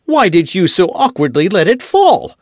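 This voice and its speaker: A man's voice: high-pitched, very animated, normal speed, no echo, clean studio sound, pitched above the performer's own voice. A man voicing a proud, quarrelsome young Gascon swordsman in an audiobook, speaking in an eager, challenging, raised voice. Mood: indignant, fiery. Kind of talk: audiobook character voice.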